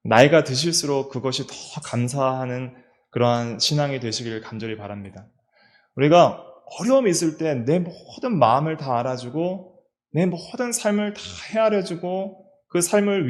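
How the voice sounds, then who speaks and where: A middle-aged man, a pastor with a Daegu-region Korean accent, preaching a sermon in a church and asking his listeners many questions. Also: fairly high pitch. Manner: preaching with rhetorical questions and repetition. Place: church sanctuary.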